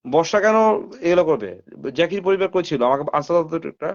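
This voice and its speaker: A man's voice: a little high, rapid-fire, a little mellow, highs cut off. A man hosting a live stream, talking straight to his viewers in casual commentary, asking them rhetorical questions and mixing English phrases into his talk.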